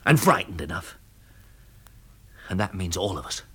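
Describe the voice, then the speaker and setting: An actor playing a calm, protective survivor of a catastrophe in a 1960s radio drama, speaking in a measured, reassuring way. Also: male voice, sits low, slight background noise, heavily acted. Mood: grave, reasoning.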